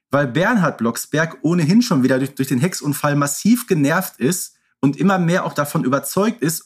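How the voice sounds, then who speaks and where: A man's voice: fairly high pitch, slightly rough. A man co-hosting a podcast, talking casually and explaining things in colloquial language. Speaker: podcast co-host. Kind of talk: casual podcast conversation about audio dramas.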